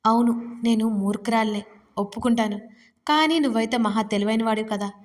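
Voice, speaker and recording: A tearful young wife from an audio story, pleading and emotional, as the woman narrator voices her. Her voice sits fairly high. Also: fairly even intonation, brisk, natural voice.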